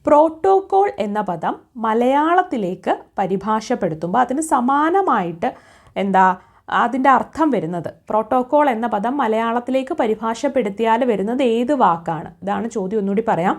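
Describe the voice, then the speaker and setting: A woman's voice: fairly high pitch, expressive, normal speed. A woman teaching an exam quiz lesson, reading out each question and its options, then repeating the answer with rhetorical questions. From Kerala.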